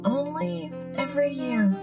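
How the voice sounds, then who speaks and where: An actress playing a weary, gentle and wry female AI companion in an audio drama, soft-spoken and wistful. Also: high-pitched, lively intonation, measured pace, loud music behind the voice. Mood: wry, worried.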